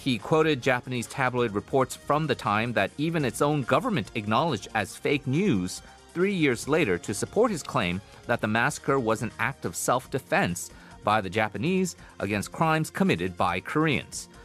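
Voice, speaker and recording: A man speaks with very wide pitch swings over faint background music, the sound dry with no echo. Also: moderate pace. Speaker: radio host, news presenter. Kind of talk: radio news headlines. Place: studio.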